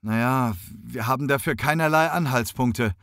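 A man's voice: mid-range voice, normal speed, gravelly, a bit bright, no echo, clean studio sound. A man voicing a blunt, intimidating male detective who plays the bad cop in an interrogation. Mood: gruff.

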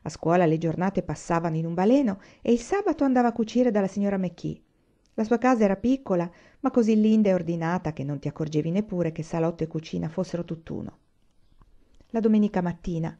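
Woman narrating a storybook, mellow and low. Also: muffled recording. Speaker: audiobook narrator.

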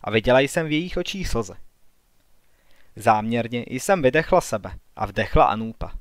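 A man's voice: mid-range voice, lively intonation, no room sound, clean studio sound. A man narrating an audiobook in the first person, reading evenly and with measure.

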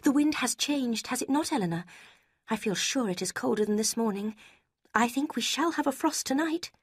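A woman voicing an eager, restless young woman who speaks in high, excited outbursts. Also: a little fast, no room sound, studio quality.

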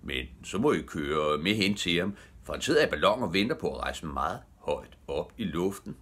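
A man voicing an excited, bold young boy in a children's story. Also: low voice, slightly rough, heavily acted. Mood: gleeful. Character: excited small boy Albert.

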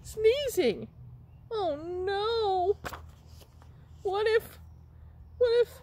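A woman voicing an anxious young male elephant who keeps sneezing, in a high, squeaky, dramatic wail, read aloud for young children. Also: lively intonation, drawn-out words, warm tone, a little hiss or hum, exaggerated voice. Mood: distressed.

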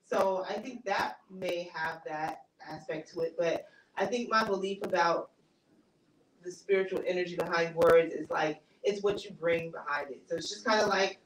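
Author lecturing in an echoey bookstore. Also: female voice, on the low side, moderate pace, slight background noise. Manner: conversational, laughs easily, many fillers. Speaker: author giving a talk. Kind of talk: casual lecture with audience Q&A. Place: small bookstore cafe event space. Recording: echoey room, mic far off.

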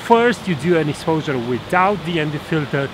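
This photography instructor, a man in his thirties, has a sing-song voice on the high side as he explains techniques step by step, stumbling through fillers and restarts. He films himself at arm's length outdoors by a snowy forest stream, its rushing water audible throughout.

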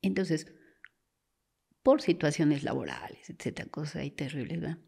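A woman's voice: sits low, sing-song, normal speed, vocal fry, dark tone, breathy edge. A woman, a forensic doctor telling stories in conversation, acting out quoted voices and sometimes dropping to a whisper. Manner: acts out quoted voices, drops to a whisper at times. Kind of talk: storytelling in conversation.

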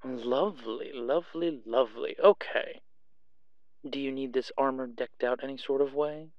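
A man's voice: mid-range voice, moderate pace, no room sound, dull audio, natural voice. A man playing a sly, theatrical black-market dealer in an audio roleplay, coy, teasing and purring as he pries. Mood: teasing, coaxing.

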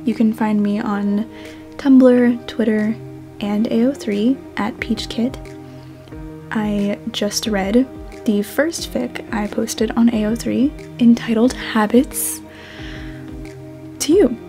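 A young woman speaking softly and unhurriedly, as an amateur reader of her own fiction. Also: fairly high pitch, fairly even intonation, slow, long pauses, soft background music. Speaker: fan fiction author and podfic reader. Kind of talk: audiobook-style story narration, then casual self-conscious chat.

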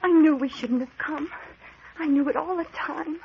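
A woman's voice: sits high, normal speed, creaky, heavy background noise. An actress playing an anxious young woman in an old-time radio mystery, hesitant and fretful. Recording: muffled old radio recording.

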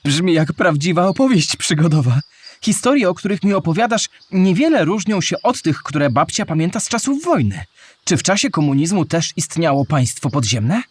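A man's voice: fairly high pitch, big pitch swings, normal speed, breathy edge. A man playing a curious, naive young male listener who asks questions in a scripted children's audio play. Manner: inquisitive, naive.

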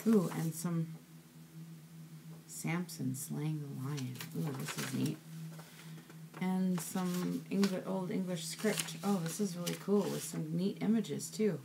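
A woman's voice: lowish voice, vocal fry, noisy background. A woman chatting casually as she unpacks craft mail, gushing with "ooh" and "so cute" at every item. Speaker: crafting vlogger. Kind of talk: casual unboxing chat.

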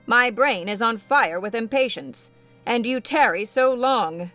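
Woman reading impatient gentleman, brusque orders, commanding, storybook, a bit louder. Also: a little high, expressive, unhurried, faint music behind.

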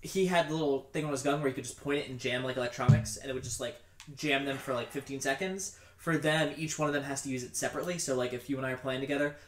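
A man's voice: medium pitch, fast, a bit bright. A young man chatting casually as he plays a co-op video game, joking and swearing freely. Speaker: gamer in co-op play. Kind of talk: casual gaming chat. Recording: roomy, echoey voice recording.

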